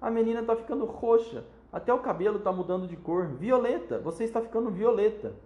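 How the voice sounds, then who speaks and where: A shrill, panicking mother shrieks in a high, strained voice, as a man puts her on. The storybook voice rings in a roomy echo. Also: animated, a little fast, dull audio. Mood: frantic. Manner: shrieking, frantic.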